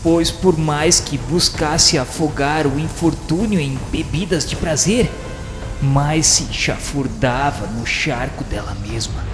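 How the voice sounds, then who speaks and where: A man's voice: a little high, slow pace. A man narrating a radio novela from a script, with solemn, theatrical delivery and literary phrasing. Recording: echoey long reverb, music underneath. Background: clear background music.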